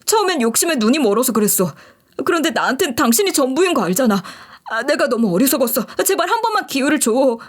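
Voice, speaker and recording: A woman's voice: high voice, very animated, fast talker, pitched above the performer's own voice. A woman voicing a desperate young man who pleads tearfully with his ex-fiancée in a story narration. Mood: begging. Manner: begging, whiny and desperate.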